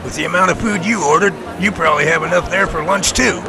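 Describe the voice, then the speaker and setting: A wry folksy sensible friend in an audio drama, high creaky voice, noisy car behind. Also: male voice, fast, a crowd in the background. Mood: easygoing. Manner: dry, folksy teasing. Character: folksy sensible man, wryly teasing his sweet-toothed pal. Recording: clear outdoor and car noise.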